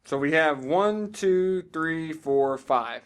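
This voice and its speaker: A man's voice: a little high, takes it slowly, clear, resonant tone. A man co-hosting a podcast, chatting about video games in a blunt, informal, sweary way. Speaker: podcast co-host.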